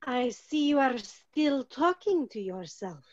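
A woman's voice: high voice, animated, slow pace, no room sound. A woman acting a haughty, languid opera diva in a dramatic staged reading over a lo-fi video call. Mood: languid, faintly condescending. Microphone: phone or computer on video call. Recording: dull lo-fi video-call audio.

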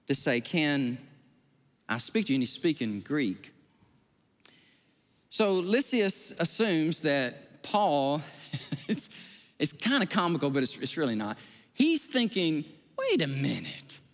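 A man, preaching a sermon as pastor in a large church, telling stories and acting out the voices of the people in them. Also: fairly high pitch. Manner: animated storytelling, acting out quoted voices. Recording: long hall reverb.

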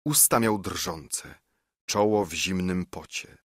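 Male audiobook narrator, low husky voice, unhurried, dry close studio sound. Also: dry recording. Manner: measured, expressive storytelling. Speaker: audiobook reader. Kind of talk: scripted narration of a classic novella.

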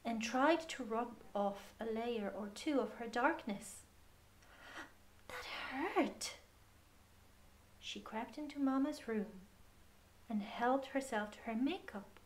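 A woman reading a picture book aloud to children in a measured, expressive way with pauses. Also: fairly high pitch. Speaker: storyteller.

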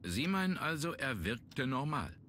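An actor playing a businesslike police inspector in a video game, inquisitive and matter-of-fact. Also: male voice, mid-range voice, very animated, measured pace, bright, forceful tone, a little hiss or hum. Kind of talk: German video game voice acting.

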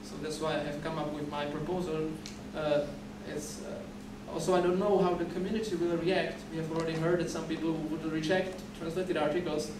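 A man's voice: a little high, flat delivery, a little fast, few pauses. A young man giving a conference talk at a podium, often repeating words and restarting as he explains. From Czech Republic. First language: Czech. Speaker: conference speaker. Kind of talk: conference presentation. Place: dim lecture hall, at a podium. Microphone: podium mic, recorded from a far camera. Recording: echoey hall recorded from far off, noisy.

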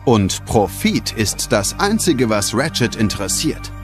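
A man's voice: medium pitch, sing-song, unhurried. A man narrating a scripted children's audio play as a dramatic storyteller. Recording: music behind the voice.

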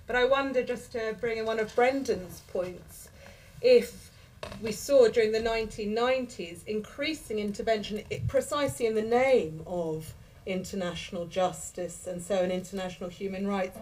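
A woman's voice: mid-range voice, moderate pace, a little mellow, low-quality recording. A woman chairing a panel debate, asking probing questions in a polite, hesitant way with many restarts. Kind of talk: moderating a panel. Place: conference hall.

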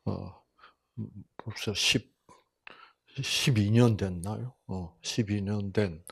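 An older man from Busan, giving a Bible lecture with personal testimony, telling stories folksily and swinging between loud exclamations and soft asides. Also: lowish voice, takes it slowly, creaky, breathy edge. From Korea (Busan). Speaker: health seminar lecturer.

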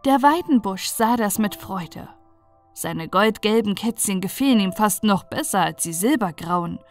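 A woman reading a fairy tale as an audiobook narrator, in an expressive, deliberate storytelling manner. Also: medium pitch, soft background music.

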